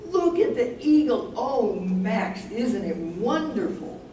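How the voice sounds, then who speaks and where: A woman's voice: on the high side, very animated, slow pace. A woman playing a wistful, confused older wife with Alzheimer's in a staged reading of a play. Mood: confused, searching. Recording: roomy distant stage mic, loud noise.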